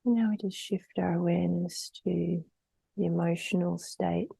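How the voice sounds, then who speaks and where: A woman guides a meditation in a lowish, very husky voice, gentle and slow to move on. Her phrases are soft and breathy, often sinking almost to a whisper. The sound is close and dry, with long pauses between instructions. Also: fairly even intonation, no echo.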